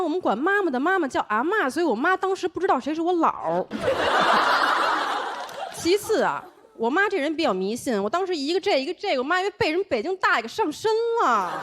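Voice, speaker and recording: A woman's voice: very high voice, a little fast, very noisy. A young woman from Taiwan who speaks with a Beijing accent, doing a playful stand-up comedy set. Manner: playful, animated storytelling with a drawling northern twang.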